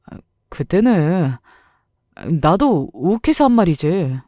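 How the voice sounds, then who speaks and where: A weak, shameless husband wheedles and makes excuses in a mellow, slightly lower voice, as a woman puts him on. The recording is dry and close, like a storybook. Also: sing-song, slow, no echo, heavily acted. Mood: wheedling.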